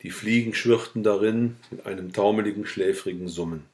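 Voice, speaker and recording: Male audiobook reader, fairly low voice, steady and calm narration of a classic novel. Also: fairly quick. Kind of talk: reading a classic novel aloud.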